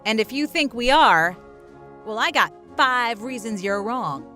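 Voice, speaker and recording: An actress playing a swaggering wasteland militia lieutenant in a comedy, declamatory and tough with mock-official boasting. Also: female voice, fairly high pitch, lively intonation, unhurried, sharp tone, soft background music. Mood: defiant, proclaiming. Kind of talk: comedic audio drama acting.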